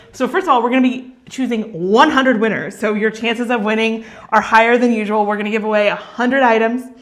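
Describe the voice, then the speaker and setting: A woman talks at a very fast pace in a fairly high, animated voice. Noticeable background noise runs underneath. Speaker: organizing event host. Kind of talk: live stream presentation. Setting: livestream video.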